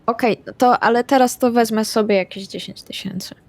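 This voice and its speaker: A woman's voice: a little high, fairly quick. A woman playing a tabletop roleplaying game, speaking casually and a little hesitantly in character.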